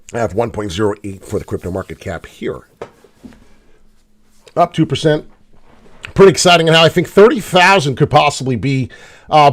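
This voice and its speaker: A man hosting a live crypto trading show, a little hoarse from being sick, rambling through charts with lots of filler words. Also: mid-range voice. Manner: rambling, many "uh" fillers, pleads for likes and subscribes. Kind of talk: casual live market commentary.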